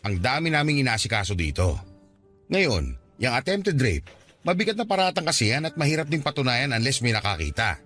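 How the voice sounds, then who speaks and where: A man's voice: mid-range voice, sing-song, brisk, a bit bright, faint music behind. An actor playing a dismissive middle-aged policeman in a Tagalog radio drama, lecturing in a patronizing, colloquial way. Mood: cautioning.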